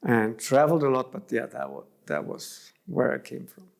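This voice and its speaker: A middle-aged German man speaks as a guest in a reflective interview, thinking carefully and restarting phrases partway through sentences. His gravelly, mid-range voice swings widely in pitch at a normal speed.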